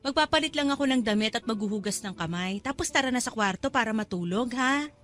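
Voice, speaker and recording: A high-pitched Filipino mother in a radio drama. She is struggling and evasive, coaxing her child in hesitant phrases over soft background music. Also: expressive, quick pace. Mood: tired, instructing. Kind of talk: Tagalog radio drama acting.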